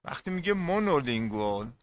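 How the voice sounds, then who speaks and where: A man's voice: mid-range voice, very animated. A male English teacher giving a classroom lesson, repeating each term and putting questions to his students. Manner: repeats terms and quizzes the class.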